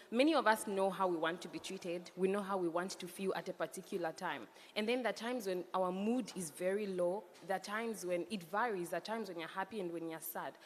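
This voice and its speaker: A young woman from Zambia moderating a youth panel discussion, speaking in an earnest, emphatic way and repeating her key points. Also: medium pitch. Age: young adult. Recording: hall reverb with faint background noise.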